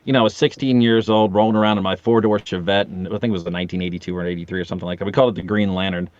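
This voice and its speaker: A man's voice: low-pitched, steady tone, racing, darkish tone, dry recording. American guy in his 50s, jokey rambling storyteller, dry close sound but a bit muffled. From Maryland, USA. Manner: joking, rambling, profane. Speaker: podcast guest, voice actor. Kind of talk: comic storytelling in a casual chat.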